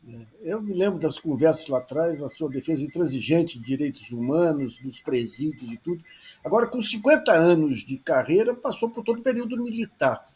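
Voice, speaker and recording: Casting note: male journalist host, halting and repetitive, fairly high voice. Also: expressive, darkish tone. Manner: hesitant, repeats small words, many fillers. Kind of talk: interview questions.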